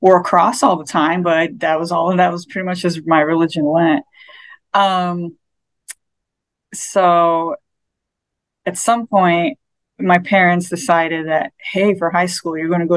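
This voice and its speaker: Her voice is fairly low in pitch, with fairly even intonation and a fairly slow pace broken by long, frequent pauses. The sound is dry and close, with no echo. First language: Assyrian Neo-Aramaic (bilingual). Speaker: podcast guest. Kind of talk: casual interview chat.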